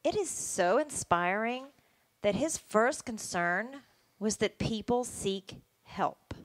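Woman co-hosting a podcast, pitch bounces around a lot, dry sound. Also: animated, takes it slowly, no echo. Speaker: co-host.

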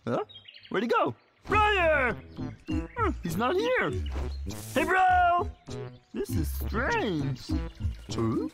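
A woman's voice: high voice, huge pitch swings, drawn-out words, pauses often, heavily acted. A woman voicing a gleeful, greedy young cartoon bear brother in a playful, exclaiming manner. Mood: puzzled. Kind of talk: children's cartoon voice acting. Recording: music behind the voice.

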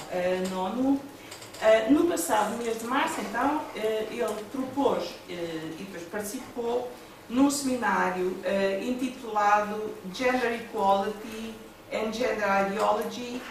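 Woman, European Portuguese accent, measured academic speaker at a panel; distant mic in a reverberant room. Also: on the high side. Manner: measured, reads from notes with hesitant asides. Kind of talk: conference presentation. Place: seminar room with a panel table. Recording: echoey room, distant mic, background noise.

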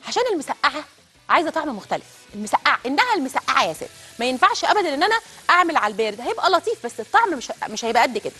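Rapid, lively Egyptian woman cooking host. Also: sits high, faint music behind. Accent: Egyptian Arabic. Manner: chatty, addresses viewers directly. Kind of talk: live cooking demonstration. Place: TV studio kitchen.

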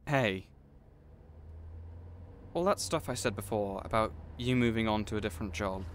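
A man's voice: lowish voice, moderate pace, a little hiss or hum, lightly acted. A man playing a kindly, encouraging villain boss in an audio roleplay, speaking earnestly and reassuringly. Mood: weary, tender. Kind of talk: character audio roleplay acting.

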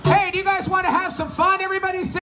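A clown entertainer emceeing a kids' sing-along on an outdoor fair stage. The voice is very high and singsong, hyping up the crowd, with loud music pumping behind it through the PA. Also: flat delivery, very fast. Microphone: handheld mic through a PA.

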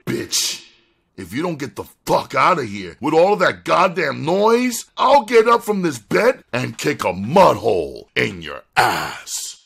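A man's voice: fairly high pitch, huge pitch swings, slow, vocal fry, fairly bright tone, slightly rough, pitched above the performer's own voice, exaggerated voice. A man voicing a harsh, bullying, hot-tempered tough man in a crime audiobook. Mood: enraged. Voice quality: harsh, masculine. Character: harsh, bullying pimp woken in a rage.

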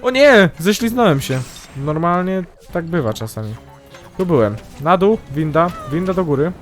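A young man commentating his own gameplay, excitable and yelping loudly whenever something goes wrong. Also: on the high side, normal speed, soft background music. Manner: excitable, yelps and shrieks at mishaps. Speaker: gaming YouTuber. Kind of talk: let's play commentary.

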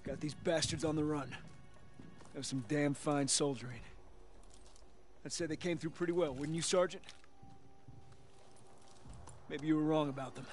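Actor as steady officer, slightly high voice. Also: male voice, moderate pace, long pauses, faint music behind, lightly acted. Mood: calm approval. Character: approving, steady American WWII army officer. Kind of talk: video game cutscene drama.

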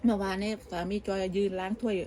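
In a mellow, mid-range voice with a level tone, she speaks fast over slight background noise. The woman vlogs from her home kitchen abroad, cooking and gossiping about family, often restarting her sentences and leaning on fillers.

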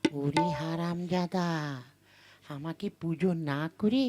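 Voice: medium pitch, slow pace, lightly acted. A performer voicing an irritable, hungry goddess puppet who grumbles and scolds in a Bengali folk comedy. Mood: indignant scolding. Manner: grumbling, scolding, corrects sharply. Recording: loud music behind the voice. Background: music.

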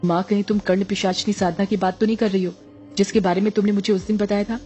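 Brief: an insistent young daughter, read by a woman, mellow voice, faint music underneath. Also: mid-range voice, little pitch movement, fast, muffled recording, natural voice. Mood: questioning. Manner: insistent, pleading.

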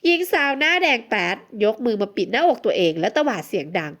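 A woman narrating a romance audiobook in an expressive storytelling manner. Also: on the high side, quick pace.

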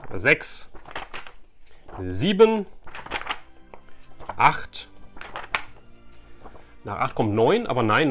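A man's voice: medium pitch, a bit bright. A man in his forties hosting a casual vlog, chatting to viewers in a conversational, anecdotal way. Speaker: YouTube host, collector. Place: small indoor room with shelves of collectibles.

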